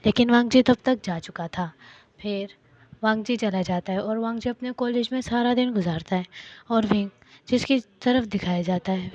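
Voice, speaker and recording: A woman's voice: fairly high pitch, a little mellow, no room sound, muffled recording. A woman casually retelling a fan-fiction story, speaking to the listener with chatty asides.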